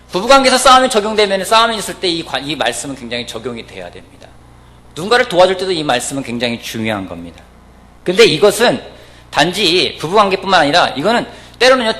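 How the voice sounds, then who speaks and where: A man preaching a weekday church sermon, telling stories and acting out the people he quotes. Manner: storytelling, acting out quoted voices, lively pitch. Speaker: pastor. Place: church service.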